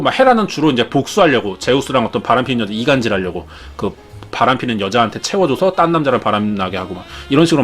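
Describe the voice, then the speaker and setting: A man's voice: on the high side, fairly bright tone. A man retelling myths in a chatty, jokey, casual way as a show host. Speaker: storyteller host. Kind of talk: casual storytelling.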